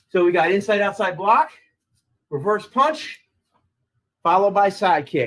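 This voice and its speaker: A man talks at a moderate speed, and the background stays quiet. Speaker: martial arts instructor. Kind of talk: live online martial arts class, calling out drill counts and corrections. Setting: live-streamed video class. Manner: loud, rhythmic, commanding, shouting kiais and counts. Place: gym. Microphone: camera far.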